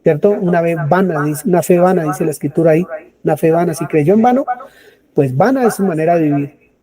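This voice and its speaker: Male preacher with a high, warm voice, teaching with questions. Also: fairly quick. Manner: asks the congregation rhetorical questions, then answers them. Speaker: preacher leading a Bible study. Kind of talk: sermon.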